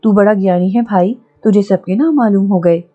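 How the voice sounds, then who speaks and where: A woman's voice: medium pitch, moderate pace, phone-quality sound, lightly acted. A woman voicing a rustic elderly village uncle, blunt-spoken but kindly, fussing and scolding in a folksy way. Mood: earnest.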